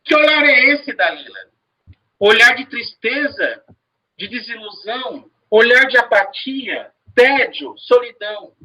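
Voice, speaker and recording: A man's voice: extremely high pitch, lively intonation, unhurried, bright, forceful tone, poor audio. A man teaching a casual review lesson, chatty, often checking in with "né?". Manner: chatty, repeats words and asks "né?".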